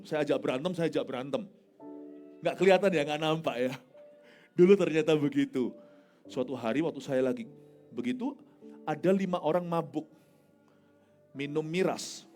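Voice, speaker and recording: A man pastor in his middle years preaches with a light, high voice, swinging from playful loud bursts to hushed storytelling. A guitar plays faintly behind him at a live crusade. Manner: animated, joking storyteller with big swings in pitch and loudness. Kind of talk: sermon. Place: large evening crusade, outdoors or big venue.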